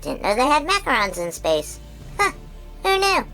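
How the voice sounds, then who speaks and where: A woman voicing an excitable, childlike male creature who hosts a chatty episode recap, bubbly and full of giggles and squeals. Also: high-pitched, moderate pace, soft background music, exaggerated voice, poor audio. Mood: excited recap. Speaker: recap host.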